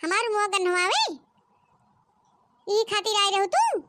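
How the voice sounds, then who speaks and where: A woman voicing a sharp-tongued old village mother-in-law in a comic cartoon, speaking with an Awadhi accent and scolding in loud exclamations. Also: extremely high pitch, big pitch swings, unhurried, noisy background, exaggerated voice.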